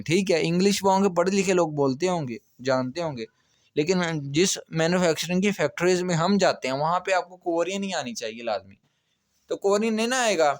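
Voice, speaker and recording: A man's voice: sits high, no room sound, clean studio sound. A man teaching a grammar lesson, explaining step by step and checking in with "okay" often. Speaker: language teacher.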